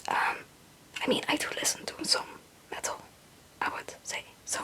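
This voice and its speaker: At normal speed, her voice pushed and bright, a young woman whispers in a relaxed, rambling ASMR chat. She often hesitates and runs herself down; she's an ASMR creator who doesn't speak English as a first language.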